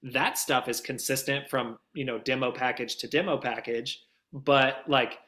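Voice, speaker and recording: A man's voice: mid-range voice, fairly even intonation, unhurried, pushed and bright. A man giving casual interview answers as a producer, emphatic and repeating phrases to drive points home. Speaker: voiceover demo producer being interviewed. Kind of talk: casual explanatory interview talk.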